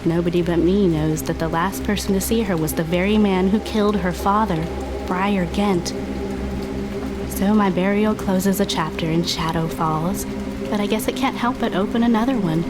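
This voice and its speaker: Actress as somber ghostly young woman, loud music. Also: mid-range voice, normal speed, lightly acted. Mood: somber, brooding. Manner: somber, reflective. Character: dead young woman narrating, somber and wistful. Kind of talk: scripted horror audio drama narration.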